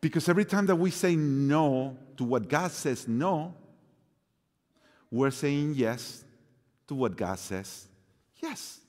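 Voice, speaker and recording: A man's voice: fairly high pitch, lively intonation, takes it slowly, pauses often, darkish tone. A man in his fifties with a Mexican accent preaching a sermon on a church stage, earnest and repeating his key phrases. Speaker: pastor. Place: large church stage with orchestra instruments. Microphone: lapel mic. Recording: long hall reverb.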